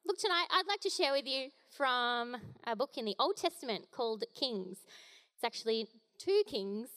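Young woman, guest preacher, casual and jokey, slightly high voice. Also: animated, normal speed, a bit bright. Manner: chatty, playful, jokey asides. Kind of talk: casual sermon.

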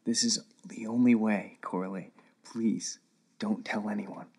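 A young squire played by a woman narrator speaks very low for the performer, earnest and stubborn. He is a determined lad from a fantasy storybook, often keeping his words hushed. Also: very animated, moderate pace, heavily acted. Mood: hushed, pleading.

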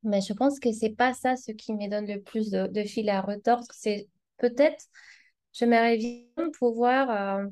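Here the Spanish-speaking language teacher sounds somewhat high-pitched and darkish, speaking a little slowly. She's a thoughtful, hesitant guest in an informal conversation, full of fillers and restarts while searching for the right words.

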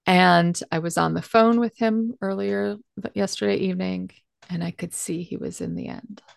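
Earnest woman with a gravelly edge. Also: fairly low pitch, steady tone, normal speed, no room sound. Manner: earnest, emotional, emphatic. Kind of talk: candid conversation.

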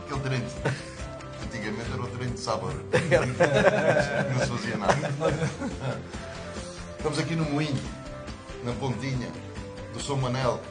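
A man's voice: medium pitch, normal speed, long pauses. A male host leading a casual, teasing chat with former footballers in a bar. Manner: jovial, teasing. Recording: loud background music.

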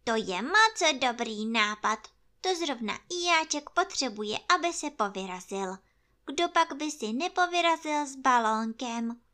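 A woman's voice: sits high, animated, pushed and bright, voice pushed up. A woman voicing a kind, muddled little male teddy bear who sounds eager and wondering in a storybook reading. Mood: friendly.

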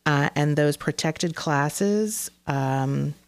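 A woman's voice: low voice, very slow, no echo. A middle-aged woman hosting a real estate show, explaining the rules in a casual way, full of ums and uhs. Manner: many fillers and hesitations.

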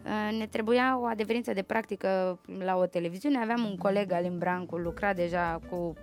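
A woman's voice: mid-range voice, soft background music. A woman, telling a long anecdote in casual chat and acting out the quotes. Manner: lively anecdotal, acts out quotes. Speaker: guest. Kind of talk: casual storytelling on a podcast.

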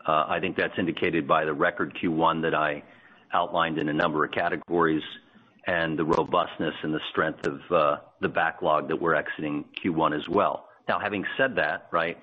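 A man's voice: a bass voice, steady tone, moderate pace. A man speaking as a company executive, answering analysts on an earnings call with emphatic corporate phrasing. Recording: tinny phone-line conference call.

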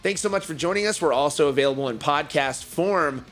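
A man's voice: a little high, fairly quick, a bit bright. A man presenting music news as the host of a rock show, in an upbeat commentary style. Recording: music playing behind the voice.

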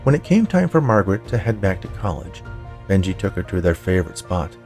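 A man narrating scripted fiction for a podcast in a measured storytelling way. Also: low voice, big pitch swings, a little mellow, faint music behind. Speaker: podcast narrator, writer and producer.

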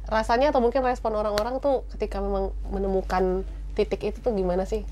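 A woman's voice: mid-range voice, fairly even intonation, fast, mellow, slight background noise. A woman hosting a casual podcast interview, asking questions politely and nodding along with short agreements. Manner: attentive, frequent short agreements, polite address. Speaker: podcast host.

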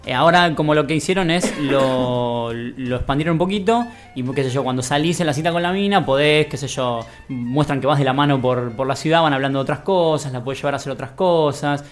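A man's voice: medium pitch, fairly quick, few pauses, faint music behind. A man with an Argentine accent, chatting on a gaming podcast and explaining at length, with many fillers and restarts. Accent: Argentine Spanish. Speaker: podcast co-host. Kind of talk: casual gaming podcast chat.

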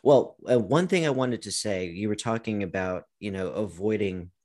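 Playful low-voiced man chatting. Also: moderate pace, a little mellow. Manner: playful, teasing, contrarian. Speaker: podcast host. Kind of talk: casual movie review chat.

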